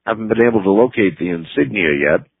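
A man hosting a late-night radio call-in show, speaking with a smooth radio host delivery as he reads letters aloud and takes calls. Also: lowish voice, animated, fast talker, dry recording. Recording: narrow phone-like radio broadcast, dry.

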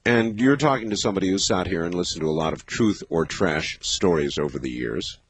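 A man of fifty hosting a late-night call-in radio show, talking in a thoughtful, measured way with many pauses and fillers. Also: low-pitched, a little hiss or hum. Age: 50s. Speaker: radio talk show host.

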